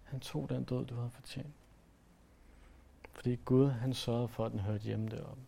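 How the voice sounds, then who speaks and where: A male preacher delivers an earnest sermon. His voice is gravelly and mellow, and he pushes some phrases hard before easing into quiet, softer lines. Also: medium pitch, fairly even intonation. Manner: earnest, rises to emphatic then drops to soft.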